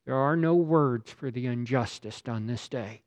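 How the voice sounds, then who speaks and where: A man's voice: medium pitch, a little slow, darkish tone, dry recording. A man preaching a sermon in a dramatic, emphatic way, building his points through rhetorical questions. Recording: slightly dull lo-fi recording.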